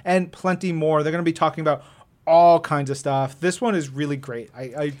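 A man's voice: on the high side, fairly even intonation, a little fast, a little mellow. A man co-hosting a podcast in a casual, chatty style, enthusiastic, informal and jokey. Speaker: podcast co-host. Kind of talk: casual chatty event preview.

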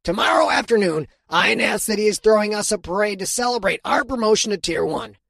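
A man reading an audiobook and voicing a tiny, gravelly alien football coach who speaks formally and solemnly. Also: high voice, lively intonation, a little fast, fairly bright tone, dry recording, studio quality, voice pushed up, exaggerated voice. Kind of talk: audiobook character voice.

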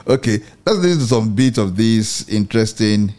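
A middle-aged man hosting a Christian radio commentary show, speaking in a measured, earnest way and often repeating his phrases. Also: lowish voice, expressive, mellow.

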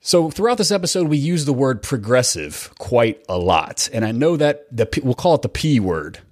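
A man's voice: medium pitch, big pitch swings, moderate pace, dry recording, studio quality. A man hosting a podcast with a casual, rambling manner, his voice stuffed up and nasal from a cold. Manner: rambling, chatty, with fillers and self-corrections. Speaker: podcast host. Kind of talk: casual podcast intro monologue.

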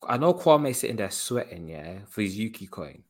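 A man, a podcast panelist bantering in an animated, slangy way and cutting in over others. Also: on the low side, normal speed. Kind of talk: casual banter.

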